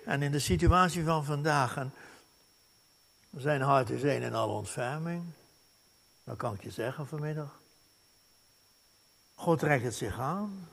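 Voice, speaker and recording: A male pastor preaching a sermon, earnest, with wide swings from loud to hushed and frequent tag questions. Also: on the high side, a little slow, gravelly, pauses often.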